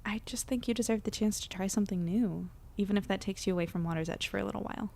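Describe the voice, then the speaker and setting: A woman playing a guilt-ridden but supportive and determined young hero in audio drama dialogue, speaking softly and earnestly. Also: medium pitch, quick pace, creaky. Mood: gentle, encouraging.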